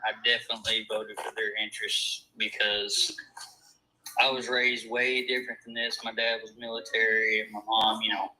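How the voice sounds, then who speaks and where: A woman's voice: rumbling low, little pitch movement, moderate pace, pushed and bright, slight background noise, rough recording. A middle-aged woman with an Arkansas Southern accent, chatting casually and politely as a caller, with a deferential manner. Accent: Arkansas Southern American. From Arkansas, United States. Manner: deferential, says ma'am often. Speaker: caller on a live stream.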